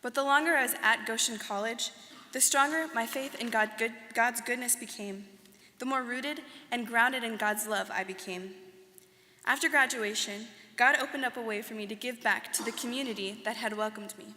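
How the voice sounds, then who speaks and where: A young woman performing a scripted dramatic reading as an earnest college alumna, in a measured, declamatory way. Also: fairly high pitch, pushed and bright, slight background noise. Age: young adult. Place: large hall. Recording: reverberant hall.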